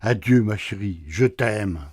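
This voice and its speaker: A man's voice: on the low side, unhurried, no echo. An actor playing a sleepy, teasing husband in a radio play, answering his wife with dry sarcasm. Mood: grumpy, teasing. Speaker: husband woken at night.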